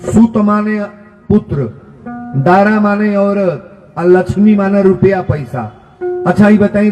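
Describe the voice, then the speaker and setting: A man with a Bhojpuri accent gives a live devotional sermon in a high voice, repeating his lines for emphasis and slowing down to chant verses. The recording carries a long hall echo, and music plays clearly underneath. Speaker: kathavachak preacher. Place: live religious gathering. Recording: echoey hall with music behind.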